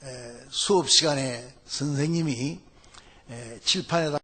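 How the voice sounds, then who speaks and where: A male pastor telling a story in a Sunday sermon, unhurried and full of hesitant fillers between phrases. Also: mid-range voice, sharp tone, husky.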